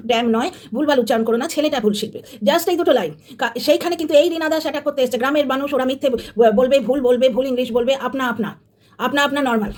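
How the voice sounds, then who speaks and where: Fast, high-pitched combative woman commentator. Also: a little mellow. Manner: combative, sarcastic, addresses viewers directly. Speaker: commentary channel host. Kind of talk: opinionated commentary monologue.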